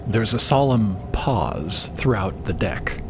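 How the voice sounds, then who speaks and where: A man with a lowish voice narrates a fantasy audio drama. The reading is scripted storytelling, set against a clear bed of rumbling ambience. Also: slow, background noise. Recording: steady rumbling ambience under voice.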